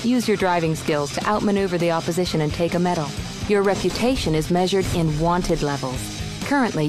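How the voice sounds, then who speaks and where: A woman voicing a calm female dispatcher who gives even, matter-of-fact race briefings in a game. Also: fairly low pitch, close to an everyday voice. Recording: voice over clear background music.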